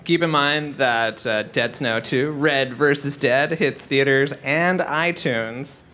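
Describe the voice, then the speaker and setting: A male interviewer with an ordinary mid-range voice keeps his lines short and jokey. He wraps up the interview with a quick promotional plug. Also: medium pitch, pushed and bright. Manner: joking, brief interjections. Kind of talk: casual interview.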